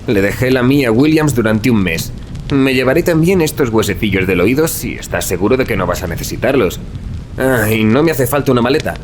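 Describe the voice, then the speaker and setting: A man acting as a hearty young male student in an audio drama. He chatters in a colloquial, exclamatory way, with very lively swings of pitch. There is clear ambient noise behind him. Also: close to an everyday voice. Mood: brisk, friendly. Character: gossipy, indignant young male medical student, hearty and brisk. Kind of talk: Spanish audio drama dialogue.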